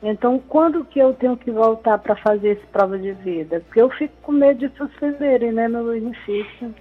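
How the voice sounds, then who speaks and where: An older woman from Brazil phones in to a radio show, her fairly high voice coming over a thin, tinny phone line. She asks her question plainly and directly. Faint music plays underneath. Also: fairly quick. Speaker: radio caller.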